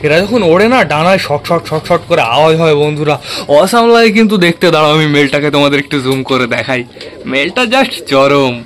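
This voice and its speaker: A man's voice: fairly high pitch, quick pace, a bit bright, a little hiss or hum. A man from West Bengal vlogging casually about his pigeons at his home loft, chatting to viewers and calling out to the birds. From West Bengal, India. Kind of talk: casual vlog narration.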